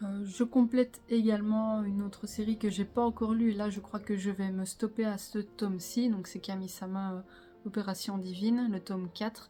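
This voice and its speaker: Over music in the background, a woman speaks at a moderate pace and medium pitch with monotone, flat intonation. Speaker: manga YouTuber. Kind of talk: casual haul video review. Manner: hesitant with many fillers.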